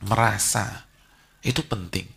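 A man preaching a sermon to women, animated and conversational. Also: lowish voice, takes it slowly, gravelly, background noise. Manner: animated, conversational, acts out short quoted voices. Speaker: Islamic preacher.

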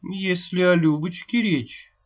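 A woman's voice: fairly low pitch, slow pace, pitched above the performer's own voice. A man voicing a distraught peasant mother who is sick and bitter, pleading and wailing. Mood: sullen. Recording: dull lo-fi recording.

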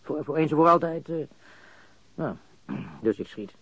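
An actor playing a baffled, cocky and coarse murder suspect in a radio crime drama, stammering and repeating words. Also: male voice, on the high side, animated, unhurried, a bit bright, breathy edge, dry recording, exaggerated voice. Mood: puzzled, uneasy. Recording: dull, lo-fi radio recording.

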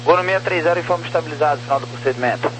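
A man's voice: on the high side, racing. A man working as an air traffic controller, giving clipped, procedural instructions over aviation radio. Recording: humming, noisy aviation radio.

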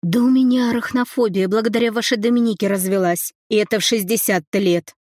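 A woman's voice: mid-range voice, a little fast, a little mellow, no room sound, studio quality, voice pushed up, natural voice. A woman reading an audiobook, voicing an indignant sixty-year-old nanny who exclaims in exasperation. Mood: exasperated. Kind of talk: audiobook narration.

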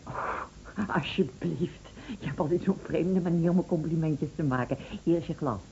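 A breezy but touchy wife in an old radio play, soft dark tone, bit of noise. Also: female voice, low-pitched, moderate pace, gravelly. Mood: light, slightly irritated. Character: chic wife, breezy hostess turning defensive and rattled when cornered. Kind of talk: radio drama acting. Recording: dull, noisy old radio play recording.

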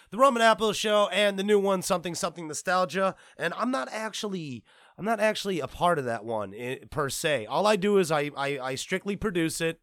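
A man hosting a podcast, talking in a casual, rambling and excitable way, tripping over his words and swearing now and then. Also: a little high, no echo, studio quality. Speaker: podcast host and producer.

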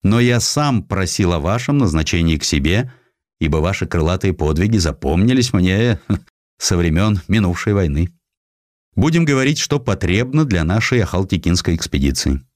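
A man's voice: sits low, expressive, normal speed, a little mellow, dry recording, studio quality. A man voicing a decisive, demanding army commander, giving orders in emphatic phrases in a dramatised historical story. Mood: businesslike.

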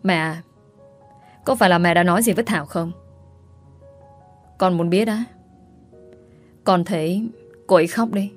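A woman's voice: on the low side, normal speed, long pauses, faint music behind, close to an everyday voice. A woman voicing a worried young husband pleading with his mother in a spoken story.

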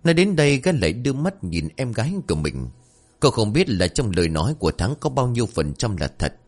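A man narrating a horror story dramatically, swinging between tense and hushed delivery. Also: medium pitch, sing-song, brisk.

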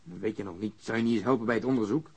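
A cynical, impatient police detective in a radio play. He grumbles quickly in a low, husky voice, irritable and sardonic. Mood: irritated. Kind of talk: radio drama acting.

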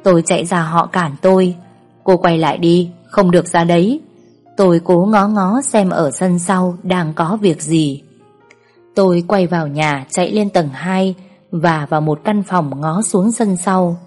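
A woman narrating a first-person story in a steady, even reading voice. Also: lowish voice, a little slow, faint music behind.

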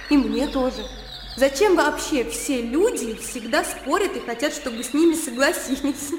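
An actress playing a lively, headstrong young woman who argues playfully in a radio drama. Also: high-pitched, echoey room, big-room sound, background noise. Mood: teasing. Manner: spirited, teasing, laughing argumentative.

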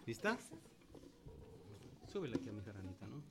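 A man's voice: on the low side, sing-song, normal speed, creaky, heavy background noise. A man in a band making joking chatter on a live stage between songs. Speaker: band member. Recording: live stage with loud music. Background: loud guitar music.

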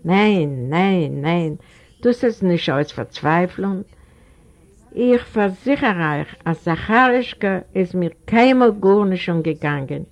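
A woman's voice: fairly low pitch, lively intonation, slow pace, muffled recording. A woman voicing a troubled, earnest young woman in an audiobook reading. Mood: insistent. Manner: hesitant, earnest.

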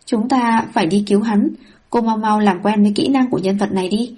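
A woman's voice: mid-range voice, fairly quick, dark tone, breathy edge, lightly acted. Woman voicing a nagging male system spirit. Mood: instructing. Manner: nagging, pleading. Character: fussy male system spirit guiding the heroine.

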